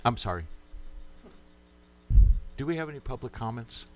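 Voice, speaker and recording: A man chairing a city council meeting, moving briskly through the agenda. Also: mid-range voice, expressive, fairly bright tone, a little hiss or hum. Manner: brisk, procedural. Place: council chamber.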